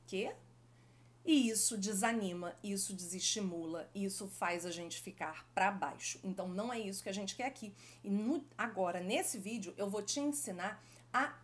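A middle-aged woman from Brazil with a Brazilian Portuguese accent, teaching French in a video lesson and talking straight to the viewer in an affectionate, lively way. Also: medium pitch. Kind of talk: YouTube language lesson.

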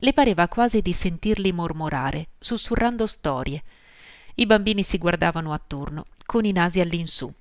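A woman narrating an audiobook in a measured, even reading. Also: fairly low pitch, no room sound, clean studio sound. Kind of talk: scripted narration.

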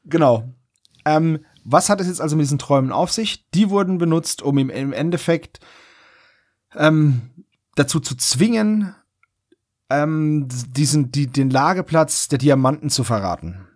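A man's voice: fairly high pitch, animated, unhurried, a little mellow, no echo, studio quality. A man co-hosting a podcast, recapping stories in a casual, conversational way. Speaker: podcast host. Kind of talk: casual plot recap chat.

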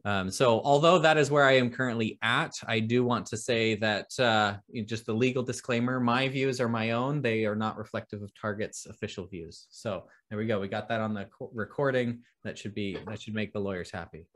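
A man's voice: fairly low pitch, brisk, hardly any pauses, a bit bright. A man who works as an agile product coach, talking as a guest on a video call in an easygoing way, with lots of ums and a dry bit of humor. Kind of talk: casual video-call conversation. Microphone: webcam on a video call.

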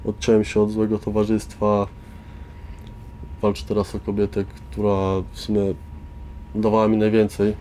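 A young man speaking informally and haltingly, giving candid personal testimony. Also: on the low side, warm tone. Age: teenager or young adult. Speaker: resident of a youth care centre. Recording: faint background noise.

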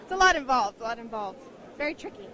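A woman's voice: fairly high pitch, very animated, quick pace, sharp tone. A young woman cosplayer, shy and giggly with many ums, answering questions into a handheld mic in a convention hall. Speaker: cosplayer interviewee. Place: crowded indoor convention hall. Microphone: handheld mic held by interviewer.

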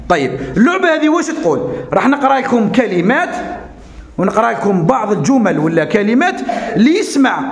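High-voiced Algerian man teaching a class. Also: vocal fry. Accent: Algerian Arabic. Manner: animated, coaxing teacher voice, slow deliberate dictation. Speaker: primary school teacher. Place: school classroom. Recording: echoey classroom.

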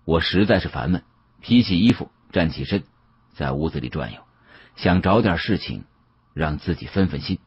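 A man's voice: low voice, lively intonation, moderate pace, husky, no room sound. A man narrating a novel in the first person as an audiobook, in a dramatic, colloquial storytelling style. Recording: muffled, dull lo-fi audio.

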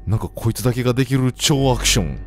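A young man with a Kansai accent giving casual, joking commentary while playing a game, talking to the characters and shouting now and then. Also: medium pitch, animated, racing. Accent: Kansai Japanese. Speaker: gameplay commentator. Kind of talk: casual let's-play commentary. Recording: faint game music behind.

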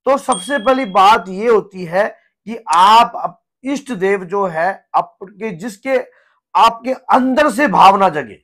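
A hoarse man in his thirties, a spiritual guru giving an earnest devotional teaching talk at home. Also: high-pitched, expressive, takes it slowly, a bit bright. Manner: earnest, gesturing, repeats himself. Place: home room with a shrine, indoors.

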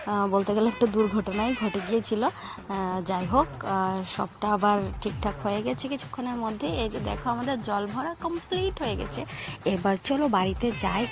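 Hoarse woman giving a vlog voice-over. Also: a little high. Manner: chatty, with many hesitant fillers. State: hoarse from a cold. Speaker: family vlogger.

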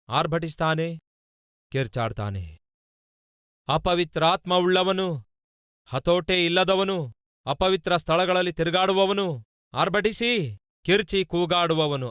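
A male pastor preaching with a Kannada accent, firing rhetorical questions and repeated lists, rising to loud peaks and dropping to low asides. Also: smooth, dry recording, clean studio sound. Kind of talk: sermon.

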